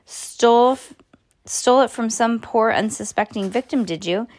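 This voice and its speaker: A woman's voice: on the high side, normal speed, darkish tone, voice pushed up, lightly acted. A woman reading the lines of a suspicious, bullying boy, taunting and accusing as she voices him.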